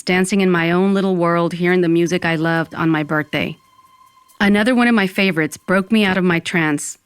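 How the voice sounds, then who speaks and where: A woman's voice: fairly low pitch, clear, resonant tone, dry recording, close to an everyday voice. A woman playing a dramatic, dreamy young Latina who narrates her own story in an audio drama. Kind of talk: first-person scripted audio fiction narration.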